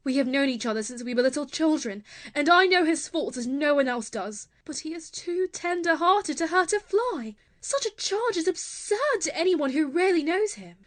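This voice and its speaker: An earnest young woman pleads her case in a high, breathy-edged voice, as a male narrator puts her on. The pitch sits far above a man's usual range and moves a great deal. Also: expressive, moderate pace, fairly bright tone. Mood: pleading. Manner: high falsetto, insistent.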